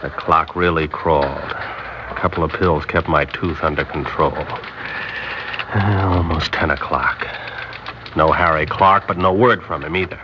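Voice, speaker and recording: A man playing a scheming male spy who poses as a loyal engineer, with a smooth, sly, sarcastic delivery in a vintage radio drama. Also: very deep voice, steady tone, measured pace, very noisy. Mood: irritable. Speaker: scientist on a secret propulsion project. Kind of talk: 1950s radio drama acting. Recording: dull lo-fi vintage radio broadcast.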